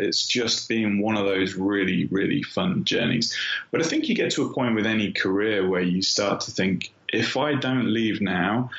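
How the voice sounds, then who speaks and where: A middle-aged man answers as an interview guest in a casual, conversational way, acting out his own thoughts while telling his story. His voice is low-pitched and a bit bright, with vocal fry. The recording sounds muffled, roomy and echoey.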